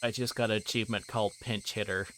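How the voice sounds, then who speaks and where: A man with a fairly low voice streams a visual novel, reading narration and making casual asides. His delivery halts and hesitates when he chats. Faint noise and chirping insects sit behind him. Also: little pitch movement. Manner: hesitant, halting when chatting. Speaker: livestreamer.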